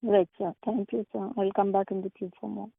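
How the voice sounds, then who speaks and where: Creaky-voiced woman on a phone line. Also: medium pitch, flat delivery, a little fast, no echo. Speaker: analyst asking questions. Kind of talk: earnings call questioning. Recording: narrow dry phone line.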